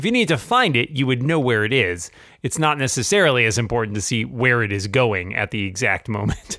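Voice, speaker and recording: Using an ordinary speaking voice, a man talks at a fairly quick pace in a medium pitch with lively intonation. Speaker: podcaster and tech writer. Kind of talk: casual chat.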